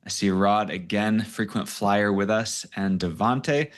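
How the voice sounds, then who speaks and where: Male webinar host, lower voice, casual and rambling, video call audio. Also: measured pace. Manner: rambling, self-deprecating, loose and chatty. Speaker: host and coach. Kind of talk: casual online coaching session.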